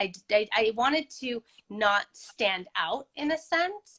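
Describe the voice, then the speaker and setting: Speaking in an American accent, a woman has a bright, sharp tone. The sound is dry and close, with no echo. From Armenia (Gyumri), raised in Los Angeles South Bay from age 7. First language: Armenian. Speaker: TV news anchor. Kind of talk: interview. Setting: Instagram live video call.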